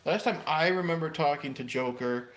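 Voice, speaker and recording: A man's voice: a little high, normal speed, fairly bright tone. A man co-hosting a casual livestream, teasing his friend and laughing along. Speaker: livestream co-host.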